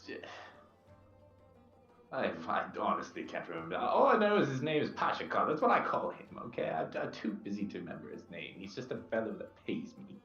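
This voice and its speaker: Man as eager, evasive male envoy, stammering formality, deep voice, dull roomy recording. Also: fairly bright tone. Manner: stammering, over-formal, insistent. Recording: muffled, roomy, music behind.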